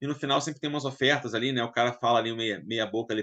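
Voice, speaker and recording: Against a quiet background, a man with a medium-pitched voice and a Rio de Janeiro accent talks at a very fast pace. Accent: Carioca (Rio de Janeiro) Brazilian Portuguese. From Brazil, Rio de Janeiro. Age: 40s. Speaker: leadership trainer. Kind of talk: online workshop presentation. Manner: casual, conversational.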